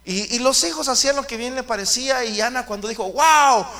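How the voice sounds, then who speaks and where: A man's voice: very high-pitched, fast talker, sharp tone. A man preaching a fervent sermon who keeps calling out to his listeners as brothers. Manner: fervent, calls out to the congregation often.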